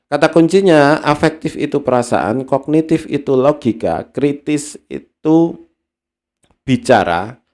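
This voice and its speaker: A man's voice: mid-range voice, a little mellow. A man presenting a talent analysis seminar, explaining in a casual, conversational way with many fillers and acting out everyday examples. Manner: acts out everyday examples in other voices.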